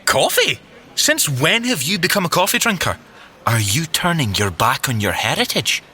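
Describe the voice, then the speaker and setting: An actor playing an excitable, geeky young Scottish tech agent in an audio drama, enthusiastic, fussy and expressive. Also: male voice, fairly high pitch, normal speed, slightly rough, heavily acted. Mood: playful, eager.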